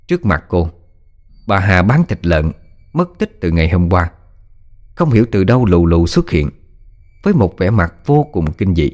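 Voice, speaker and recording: A man reading a scripted horror story in a dramatic, expressive way. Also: low-pitched, normal speed, pauses often.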